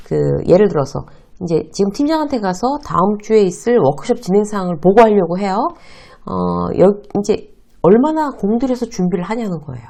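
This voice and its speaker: A woman's voice: medium pitch, mellow. A woman hosting a lesson on workplace advice, asking and answering her own questions and acting out short exchanges. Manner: acts out short quoted exchanges. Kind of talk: talk-style lesson to viewers.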